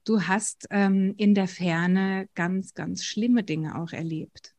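Brief: woman in her thirties, interviewer, calm and measured. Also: mid-range voice. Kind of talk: interview questions.

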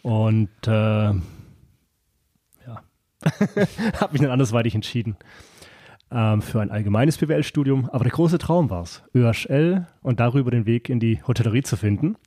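Mellow-voiced man hosting a podcast. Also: medium pitch, expressive, normal speed, no room sound, studio quality. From southern Germany. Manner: chatty, eager, frequent affirmations. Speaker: podcast host. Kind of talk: casual interview chat.

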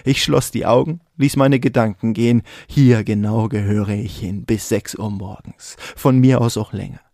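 Man reading spoken-word poetry, mellow. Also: lowish voice, fairly even intonation, normal speed, creaky, no room sound, clean studio sound. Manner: rhythmic, vivid delivery that laughs at its own slips. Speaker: poet and podcast host.

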